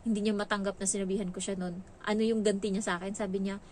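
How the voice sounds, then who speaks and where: A woman's voice: medium pitch, level tone, quick pace, a little mellow. A woman from the Philippines who works as a nanny, candidly telling stories in a casual vlog and slipping English phrases into her talk. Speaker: nanny in Hong Kong.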